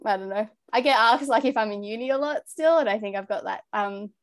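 A young Australian woman with a high, youthful-sounding voice, talking earnestly and chattily as a podcast guest, with plenty of "like" and "um". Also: a little fast, no room sound, clean studio sound. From New South Wales, Australia. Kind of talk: casual interview chat.

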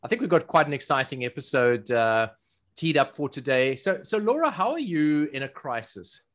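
A man's voice: a little high, big pitch swings, normal speed, fairly bright tone. South African man co-hosting a podcast. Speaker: podcast co-host.

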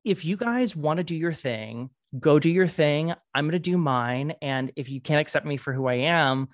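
Singer guy hosting a podcast, talks fast and chatty, dry close sound. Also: a little high, lively intonation, no echo. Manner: chatty, fast storytelling with lots of "like" and acted-out quotes. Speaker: podcast host; singer and performer. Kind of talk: casual chat.

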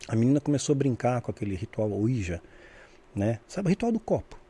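Fast-talking man with a dark voice. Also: medium pitch, breathy edge. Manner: animated, acts out quoted voices, frequent "né?". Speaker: guest storyteller. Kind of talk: casual storytelling.

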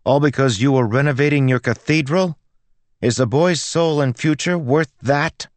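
A man voicing a stubborn, outspoken teenage girl in an audiobook, with a loud, dramatic, insistent manner. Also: medium pitch, animated, normal speed, dry recording, voice pushed up, natural voice. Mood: indignant, loud.

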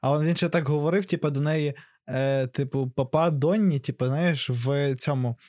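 A man's voice: on the high side, normal speed, darkish tone, no echo. Rambling young man, dry sound. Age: young adult. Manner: rambling, fillers, laughs often. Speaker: podcast co-host. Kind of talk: casual film discussion.

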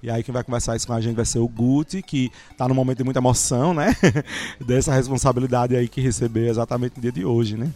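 A man, a priest, hosting a podcast in a relaxed way and explaining at length with many small fillers. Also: mid-range voice, fast.

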